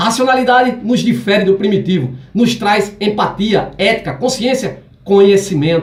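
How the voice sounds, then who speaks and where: Hardly pausing, a man speaks in an animated tone at a high pitch with lively intonation, over noticeable background noise. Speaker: atheist YouTuber. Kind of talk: monologue to camera. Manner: fast.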